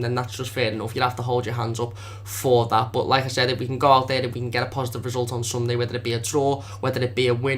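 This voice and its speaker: Young Scouse male fan vlogger, quick and earnest with a narrow pitch range, repeats himself for emphasis. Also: fairly bright tone. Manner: repetitive, earnest, doubles his words. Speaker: fan channel host. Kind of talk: football preview vlog.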